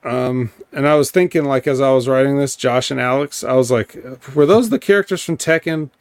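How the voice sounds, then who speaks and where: A podcast host recaps a wrestling show in a casual chat, rambling and sarcastic with plenty of ums. His medium-pitched voice is brisk and smooth, with no room sound.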